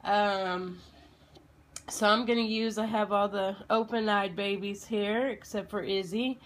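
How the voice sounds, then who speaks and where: Slow-talking, slightly froggy woman storyteller. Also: medium pitch, steady tone, a little hiss or hum. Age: 30s. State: sick with a lingering illness. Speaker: video blogger telling a personal story. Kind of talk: informal personal storytelling, as if to children.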